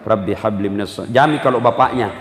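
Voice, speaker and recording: Guy preaching funny, acts out the parents, shouts the jokes, big echoey hall. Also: lowish voice, fast, noisy background. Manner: animated, mimics parents and children, shouts punchlines. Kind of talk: humorous sermon. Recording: echoey hall with long reverb.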